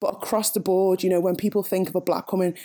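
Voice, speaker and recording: A woman in a Scouse accent at a very fast pace. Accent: Scouse (Liverpool English). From Liverpool, England. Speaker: radio broadcaster and podcast presenter. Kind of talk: interview.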